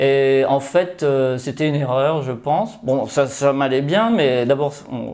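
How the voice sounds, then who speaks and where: Speaking very slowly with hardly any pauses, a man uses a fairly high pitch with ordinary pitch variation. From Paris, France. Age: 60s. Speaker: senior fashion model. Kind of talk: interview. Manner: halting.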